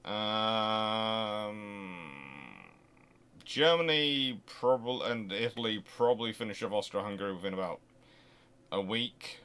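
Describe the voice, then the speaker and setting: A man with a lowish, sharp, clean-sounding voice talks slowly and pauses often. He is answering viewer questions in a casual live Q&A on naval history, digressing chattily and often asking rhetorical questions as he explains.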